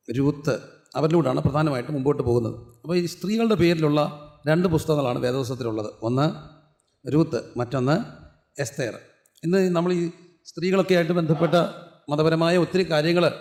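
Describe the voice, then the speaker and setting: Man, Malayali accent, pastor, sermon, asks and answers his own questions, slightly high voice, echoey hall. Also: darkish tone. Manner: preaches with rhetorical questions he answers himself.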